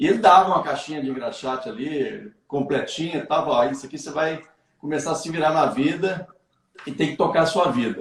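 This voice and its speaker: An ordinary speaking voice. It moves at a fairly quick pace with ordinary pitch variation. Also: man, fairly high pitch for a man. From Minas Gerais, Brazil (Santo Antônio do Monte). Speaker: interviewer. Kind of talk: casual chat.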